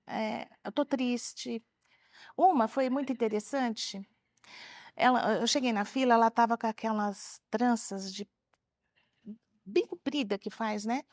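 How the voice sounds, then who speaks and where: A woman's voice: a little high, measured pace, dry recording. A middle-aged woman, a retired teacher, telling stories in a TV studio interview. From Brazil. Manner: animated storyteller, acts out children's voices. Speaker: retired teacher and author, guest. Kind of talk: interview storytelling.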